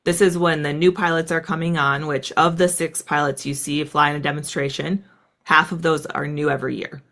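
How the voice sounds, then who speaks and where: A woman in her thirties from the United States, a guest in an interview, telling stories in a quick, animated way with plenty of "like" fillers. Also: deep voice. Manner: fast, animated, lots of "like" fillers. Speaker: guest, former fighter pilot. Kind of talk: casual storytelling interview.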